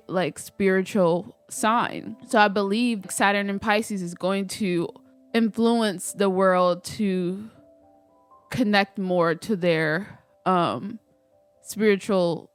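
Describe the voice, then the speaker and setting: A woman's voice: medium pitch, smooth. A woman vlogging casually while doing her hair, a little stuffy and nasal from a cold, rambling with lots of fillers and restarts. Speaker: spiritual vlogger. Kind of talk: casual chat to camera.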